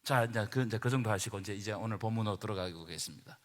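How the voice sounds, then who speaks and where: A man, a pastor, leading a Bible study lecture in an emphatic manner that rises to forceful preaching, recorded in a church hall. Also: fairly low pitch, fast talker. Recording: long reverb of a church hall.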